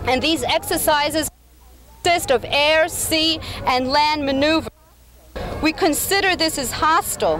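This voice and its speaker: Over music in the background, the speaker uses fairly even intonation with long, frequent pauses. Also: woman, high pitch for a woman, fairly slow pace. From El Salvador. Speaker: activist speaker. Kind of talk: prepared rally speech.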